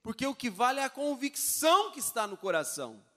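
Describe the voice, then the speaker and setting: A man's voice: extremely high pitch, sing-song, brisk, bright, forceful tone. A male pastor preaching a sermon, emphatic and full of rhetorical questions to the congregation, recorded in a church. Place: church sanctuary. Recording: long church reverb.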